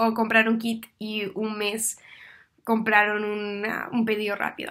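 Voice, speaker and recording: Against a quiet background, a woman talks at a fairly slow pace with monotone, flat intonation. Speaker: network marketing leader. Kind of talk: tutorial. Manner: casual, friendly. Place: home room. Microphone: webcam.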